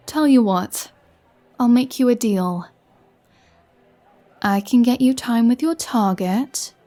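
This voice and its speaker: Woman playing a slow-talking, flirty, menacing vampire. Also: a little high, dark tone. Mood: sly bargaining. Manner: playful, sarcastic, purring threats, sighs. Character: flirty, teasing, menacing female vampire toying with a hunter. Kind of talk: roleplay ASMR audio drama.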